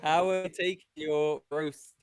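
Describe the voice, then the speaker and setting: Man chatting on a podcast, slowish, highish voice that moves around, chips in casually. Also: little pitch movement, clean tone, dry recording. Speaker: comedian and podcast panellist. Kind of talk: casual chat, interjecting questions.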